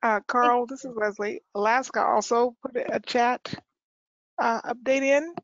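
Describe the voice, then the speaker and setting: A woman's voice: fairly high pitch, steady tone, measured pace, no room sound. Woman reading aloud, dull dry audio. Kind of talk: reading out a written update. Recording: dry, slightly dull online meeting audio.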